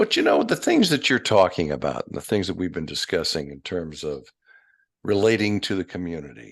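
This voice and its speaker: Against a quiet background, a man speaks at a moderate pace with a very deep, low pitch, lively intonation and vocal fry. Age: 70s. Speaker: interviewer, former broadcaster. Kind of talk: interview conversation.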